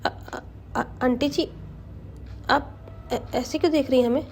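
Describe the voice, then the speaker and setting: Brief: woman reading as a cocky tapori girl with street swagger, high mellow voice. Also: fairly even intonation, unhurried, a little hiss or hum. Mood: nervous, stammering. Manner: swaggering street slang, stammers when caught. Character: brash tapori-talking young woman, cocky.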